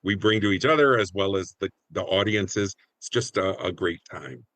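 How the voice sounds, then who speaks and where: A man's voice: low voice, moderate pace, a bit bright, dry recording. A middle-aged American man reminiscing casually as a community theater actor in a group interview.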